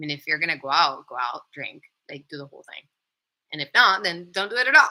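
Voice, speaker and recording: A woman's fairly low voice with a Spanish accent, a bright, sharp tone, very wide pitch swings, big swings in loudness and a very fast pace. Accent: Spanish accent, noticeable. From Venezuela. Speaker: online talk show host. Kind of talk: solo livestream talk. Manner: casual, conversational.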